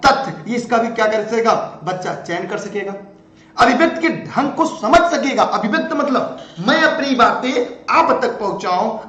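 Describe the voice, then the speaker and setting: A man teaching a live online exam-prep class, lively, chanting rhymes and telling stories with a rising and falling tone. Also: high voice, roomy sound, highs cut off.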